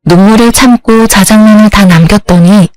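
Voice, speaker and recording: A woman's voice: medium pitch, moderate pace, a little mellow, no echo, soft background music. A woman in her thirties telling her own story in scripted narration, with an aggrieved, plaintive tone. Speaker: story narrator, the wronged wife.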